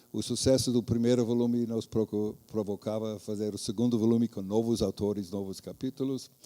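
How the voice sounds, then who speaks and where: Using a monotone, flat intonation, a man with an American accent speaks at a medium pitch and moderate pace, with hardly any pauses. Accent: foreign (American) accent in Portuguese. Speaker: professor, education association leader. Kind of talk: panel talk. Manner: halting, many fillers.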